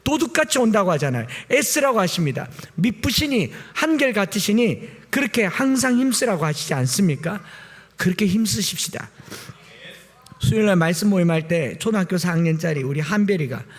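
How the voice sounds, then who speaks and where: A male pastor preaching a Sunday sermon, swinging between loud exclamations and quiet, low asides. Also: big pitch swings, fairly quick.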